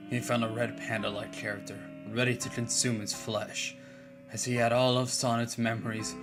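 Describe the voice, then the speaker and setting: A man slowly reading a dark horror fan story aloud, measured and steady. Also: lowish voice. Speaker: streamer and artist. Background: guitar music.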